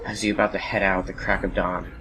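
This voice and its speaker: A man narrating a horror story in a solemn, measured, dramatic scripted style. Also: deep voice, level tone. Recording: home recording with background noise and ambience.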